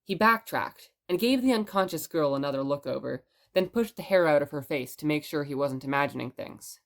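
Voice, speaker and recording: Low-voiced woman radio storyteller. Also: expressive, a little fast. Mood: measured storytelling. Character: chatty, playful radio station host telling stories. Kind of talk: audio drama radio broadcast and scripted narration.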